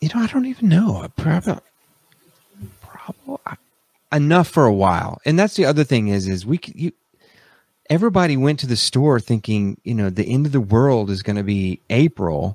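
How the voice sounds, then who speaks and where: A man's medium-pitched voice at a moderate pace, with very wide pitch swings. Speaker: podcaster guest. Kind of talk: casual chat.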